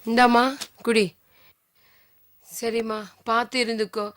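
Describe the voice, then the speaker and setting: A woman's voice: a little high, flat delivery, a little slow, a bit bright. A woman playing a practical, scolding village sister-in-law with a rural Tamil Nadu accent, plain-spoken, in naturalistic film drama. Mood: firm advice.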